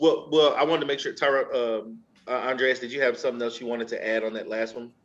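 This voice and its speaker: Speaking very fast with a Tennessee accent, a man keeps his intonation fairly even. His pitch is medium. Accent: Southern accent (Tennessee). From Tennessee, US South. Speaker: cybersecurity panelist. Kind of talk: panel discussion.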